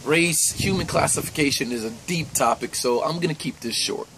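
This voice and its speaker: A man's voice: on the high side, moderate pace, gravelly, crowd noise, rough recording. Young man musing earnestly to camera. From United States. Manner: earnest, conversational, with easy laughs. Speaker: vlogger. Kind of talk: personal reflective vlog. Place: indoors by a plain wall.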